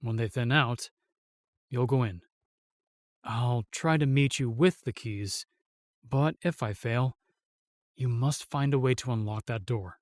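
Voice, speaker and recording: A man playing a steadfast, protective royal guard, formal and measured, in a fantasy audio drama. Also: medium pitch, dry recording, close to an everyday voice. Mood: calm, resolute.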